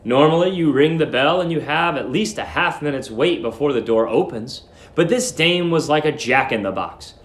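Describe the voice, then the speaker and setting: A man giving a dramatic narration of a story, theatrical and deliberate in his emphasis. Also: on the high side, lively intonation, reverberant.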